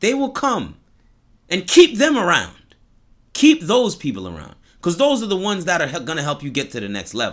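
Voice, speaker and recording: A man speaks in a raised, projected voice with an animated tone and very wide pitch swings. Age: 20s. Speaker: podcast host. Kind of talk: casual monologue.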